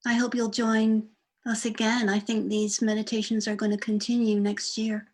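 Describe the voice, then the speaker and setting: Soft husky woman, even pitch. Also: moderate pace. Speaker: meditation leader. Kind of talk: casual conversation. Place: online video call.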